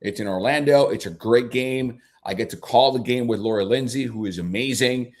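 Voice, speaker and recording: A man whose first language is Spanish, a soccer broadcaster chatting as a guest on a radio show, talking in halting phrases with many restarts. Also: medium pitch, darkish tone. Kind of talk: casual radio chat.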